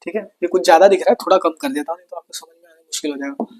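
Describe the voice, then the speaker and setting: A man with a fairly high, slightly mellow voice talks very fast while teaching a science lesson online for exam prep. His delivery is chatty and repetitive, he calls his students "brother," and he mixes in English with an Indian accent.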